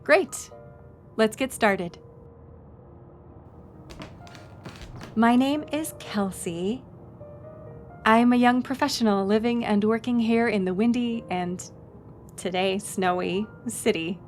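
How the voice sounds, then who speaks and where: A woman's voice: on the high side, takes it slowly, faint music behind. A woman playing a friendly, chatty young docent at a historic house in an audio roleplay, casual and upbeat as she talks to the listener. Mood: upbeat, presenting. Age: young adult. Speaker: museum tour guide. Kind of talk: audio roleplay, one-sided conversation with listener.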